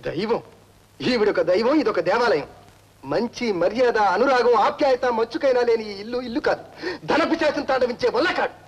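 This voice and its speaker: An actor playing a proud, angry young husband who speaks defiantly and sermonizes, with a husky voice in old film melodrama style. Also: male voice, very high voice, fairly quick, poor audio.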